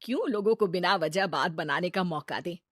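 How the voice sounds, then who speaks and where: A woman voicing a kind middle-aged mother-in-law who speaks softly and gently. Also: fairly low pitch, moderate pace, no room sound, studio quality, natural voice. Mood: gentle.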